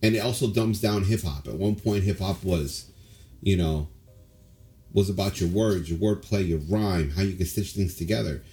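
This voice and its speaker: A man's voice: deep voice, moderate pace, mellow. A man co-hosting a casual podcast, talking at length with strong opinions and lots of fillers. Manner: rambling, opinionated, many fillers. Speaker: podcast co-host. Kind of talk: casual chat.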